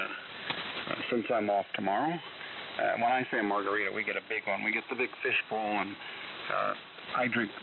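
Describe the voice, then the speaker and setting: A thin, narrow radio signal carries a man's voice through strong hiss. He rambles in a folksy, casual way as a ham operator, pitched on the low side. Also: creaky. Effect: radio transmission. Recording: narrow-band shortwave radio, loud hiss.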